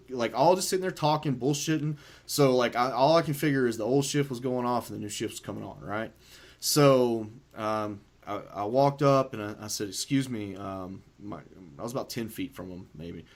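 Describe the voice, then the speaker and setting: A man hosting a podcast, telling a story in a loose, profane, animated way. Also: lowish voice. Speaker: podcast host. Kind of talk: casual storytelling chat.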